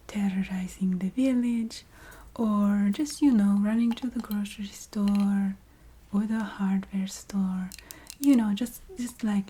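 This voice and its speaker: A woman voicing a chatty, businesslike vampire recruiter in a soft whispered ASMR roleplay. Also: medium pitch, slightly rough. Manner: hesitant, matter-of-fact, checking in with the listener.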